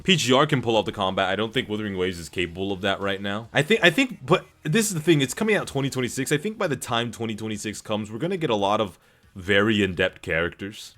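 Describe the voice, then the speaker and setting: A man with a fairly low-pitched voice is livestreaming his reactions. He talks casually to his chat in an animated, slangy way. He swears freely as he gives his commentary. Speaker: streamer reacting to game cutscenes.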